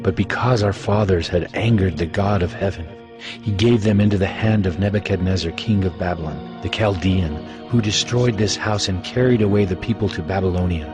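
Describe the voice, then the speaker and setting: A man's voice: sits low, a little fast, natural voice. A man playing a solemn Jewish elder, a servant of God, declaring his people's history in a dramatized Bible reading. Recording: music bed under the voice.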